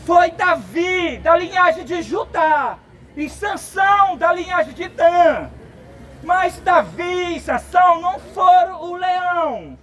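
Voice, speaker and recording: A man from Brazil giving an open-air sermon, slow and emphatic, sometimes breaking into shouts. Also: very high-pitched. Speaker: street preacher.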